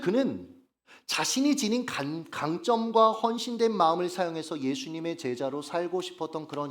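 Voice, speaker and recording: Animated male pastor preaching a sermon. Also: on the high side. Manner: asks the congregation frequent rhetorical questions; earnest and emphatic, stressing key phrases. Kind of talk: Sunday sermon. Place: church worship service.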